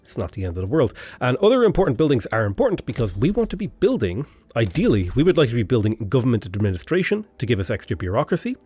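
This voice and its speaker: A man's voice: mid-range voice, very animated, fast, a little mellow, breathy edge. A man with a stuffy, slightly unwell voice, chatting casually and explaining a strategy game step by step, thinking aloud as he goes. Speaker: game tutorial host. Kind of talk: casual gameplay commentary.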